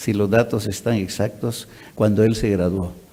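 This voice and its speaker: A man with a dark, mellow tone and medium pitch speaks at a fairly slow pace in a room with audible echo. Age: 60s. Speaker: law professor. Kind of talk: ceremonial speech. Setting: hall with audience. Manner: halting, with many fillers.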